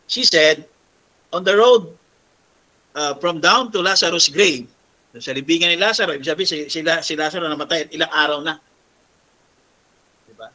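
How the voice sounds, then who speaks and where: A man's voice: fairly high pitch, normal speed, long pauses, sharp tone. A man preaching a sermon, who quotes English passages and keeps asking his listeners "di ba?". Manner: mixes Tagalog with English quotes, asks "di ba?" often. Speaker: pastor.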